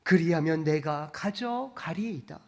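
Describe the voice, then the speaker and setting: A man's voice: a little high, animated, measured pace, voice pushed down. A man quoting a grieving woman, Mary, pleading tearfully during a sermon.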